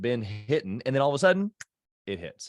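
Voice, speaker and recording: A man with an American accent at a fairly quick pace, animated in tone, with very wide pitch swings, against a quiet background. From United States. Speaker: podcast host. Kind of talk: interview podcast.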